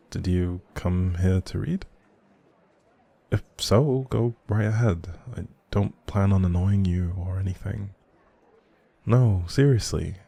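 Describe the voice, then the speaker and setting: Man playing a low, creaky, shy young writer. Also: warm tone, full character voice. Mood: nervous, apologetic. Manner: rambling, hesitant, apologetic, chatty. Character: shy, socially anxious, friendly young male writer, café regular. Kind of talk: intimate audio roleplay addressed to the listener.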